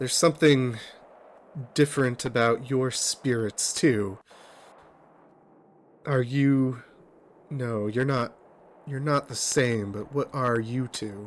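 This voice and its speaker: A put-on character voice delivered at a fairly slow pace, with long, frequent pauses. The recording is very clean with a silent background. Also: man, medium pitch for a man. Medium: actual play. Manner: haughty, distant.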